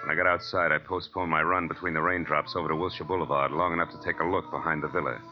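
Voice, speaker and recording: An actor playing a wry, hard-boiled American private detective, terse and slangy, in 1940s radio style. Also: male voice, very deep voice, fairly even intonation, fast talker. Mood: dry narration. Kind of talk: 1940s radio acting and first-person narration. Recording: muffled old radio recording with music.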